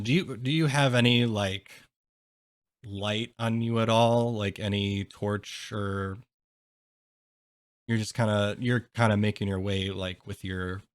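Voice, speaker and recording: A man's voice: fairly low pitch, fairly even intonation, unhurried, no echo. A man narrating a tabletop game as game master in a casual, hesitant and explanatory way.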